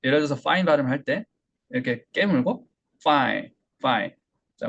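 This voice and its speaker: A man's voice: medium pitch, vocal fry, husky, lo-fi sound. A man teaching English pronunciation in a lecture, speaking with a Korean accent, demonstrating sounds and repeating example words. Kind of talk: online English lesson.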